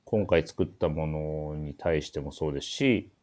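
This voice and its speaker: Low-voiced male radio host. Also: moderate pace, darkish tone. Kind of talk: casual talk show chat with event announcements.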